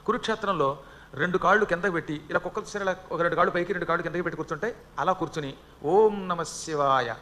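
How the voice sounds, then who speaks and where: Fast bright-voiced male preacher. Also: sits high. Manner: chatty, addresses audience with humorous asides. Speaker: Puranic discourse speaker. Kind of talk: devotional scripture storytelling.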